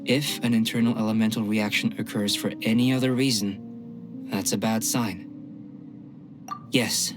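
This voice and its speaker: A man voicing a calm young male alchemist in a game, measured, clinical and politely detached. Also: mid-range voice, lightly acted. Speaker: game character. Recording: game audio with music behind.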